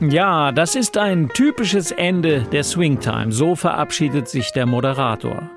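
Creaky-voiced male radio interviewer. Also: a little high, lively intonation, a little slow, music in the background. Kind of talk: prepared radio interview and narration.

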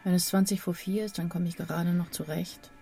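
A guarded woman in a radio play, murmuring small talk. Her voice is low and breathy, with music behind. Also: steady tone, fairly quick, dark tone. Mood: guarded, casual. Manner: murmured, offhand. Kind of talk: radio drama dialogue.

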